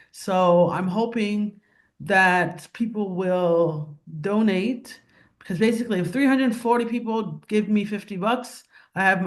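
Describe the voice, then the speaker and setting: A podcast host in their forties in casual interview chat, talking in an upbeat, quick way. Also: mid-range voice. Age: 40s.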